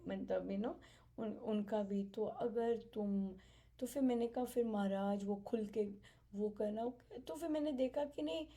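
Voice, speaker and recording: A woman shares reflections from her spiritual practice in a quiet, unhurried way, pausing often and searching for words. Her voice is mellow and dark with a noticeable gravelly texture, and she speaks at a very relaxed pace. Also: medium pitch. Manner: soft-spoken, reflective, halting with fillers and light laughs. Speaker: satsang participant sharing experience. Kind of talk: spiritual sharing in a family gathering.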